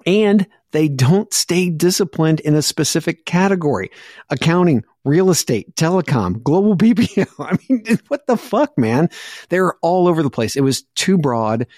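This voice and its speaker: A man's voice: on the high side, darkish tone, dry recording, studio quality. A middle-aged man co-hosting a podcast, giving blunt, profane opinions and laughing often. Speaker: podcast co-host. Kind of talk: casual opinionated commentary.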